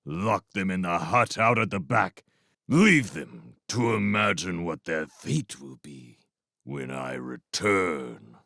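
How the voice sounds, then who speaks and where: A man's voice: deep voice, expressive, slow, gravelly, pushed and bright, dry recording, studio quality, exaggerated voice. A man voicing a cruel male rat warlord who sneers and boasts, then bursts into roaring tirades, in a storybook reading. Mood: menacing.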